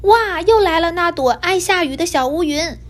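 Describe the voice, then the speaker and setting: A woman voicing a startled, excitable young white cat in a children's story. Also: extremely high pitch, moderate pace, pitched above the performer's own voice.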